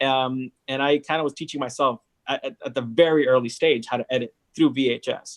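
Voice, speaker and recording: Intonation here stays fairly even. The delivery is fairly quick. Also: man, medium pitch for a man. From Honduras, San Pedro Sula; moved to US at twelve. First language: Spanish. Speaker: filmmaker. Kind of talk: casual interview. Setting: live stream.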